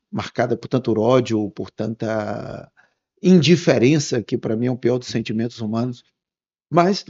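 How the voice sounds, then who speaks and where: A man's voice: mid-range voice, a little mellow, highs cut off. A man hosting an interview, asking long, winding, appreciative questions with frequent fillers. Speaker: interview host.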